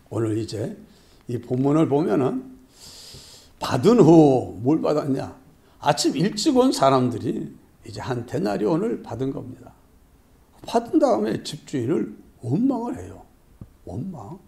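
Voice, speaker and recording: Gravelly, animated male pastor. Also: a little high, a little slow. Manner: storytelling, acting out dialogue. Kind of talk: sermon.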